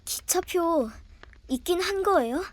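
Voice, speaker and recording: A woman's voice: very high-pitched, lively intonation, slow pace, slight background noise, exaggerated voice. A woman voice actor playing a worried, girlish young daughter in an audio drama. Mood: anxious.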